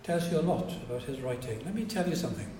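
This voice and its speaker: A man's voice: mid-range voice, lively intonation, fast talker, warm tone, a little hiss or hum. A man with a Welsh accent, a native Welsh speaker, giving a reflective public talk with hesitant restarts and digressions. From Wales. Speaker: speaker at a literary tribute. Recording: echoey hall, mic at a distance.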